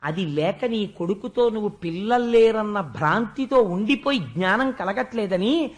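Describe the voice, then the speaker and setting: A man's voice: high voice, lively intonation, moderate pace. A man giving a devotional scripture discourse, telling the story at length and chanting verses in a sing-song lilt. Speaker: spiritual discourse speaker.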